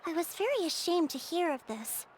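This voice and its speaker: A woman voicing a composed, diplomatic tribal chief in a video game, speaking in a polite, measured, formal way as she recounts legends and explains plans. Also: very high voice, very animated, very noisy. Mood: calm. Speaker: tribe chief.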